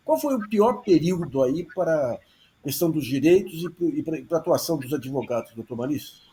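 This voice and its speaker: A male journalist hosts an interview, asking questions in a loose, halting way with repeated words and fillers. His voice sits a little high for a man. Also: lively intonation, dark tone. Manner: hesitant, repeats small words, many fillers.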